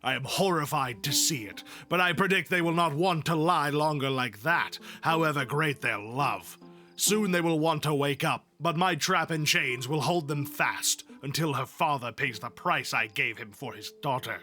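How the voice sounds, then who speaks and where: A man voicing an aggrieved, self-pitying, furious god in a storybook reading, with a declamatory, drawn-out way of complaining. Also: on the high side, pushed and bright, soft background music. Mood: aggrieved, wounded.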